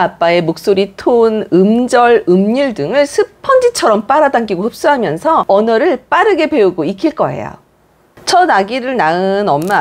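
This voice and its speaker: A woman who runs a childcare center, giving a parenting lesson and speaking straight to moms and dads in an encouraging way. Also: mid-range voice. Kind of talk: parenting lesson talk to camera.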